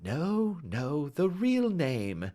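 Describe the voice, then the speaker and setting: A man voicing a calm, shrewd gentleman detective who speaks blandly and with assurance in a storybook reading. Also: fairly high pitch, normal speed, pitched above the performer's own voice. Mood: bland assured. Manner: bland, smooth and self-assured.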